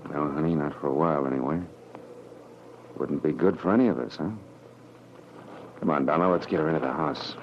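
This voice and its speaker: A man acting a wry, world-weary private detective in a 1940s radio drama, with clipped, slangy, deliberate delivery. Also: very deep voice, a little hiss or hum. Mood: gentle, subdued. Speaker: lead actor and narrator. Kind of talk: 1940s radio drama acting, first-person noir narration. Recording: muffled old radio broadcast, music behind.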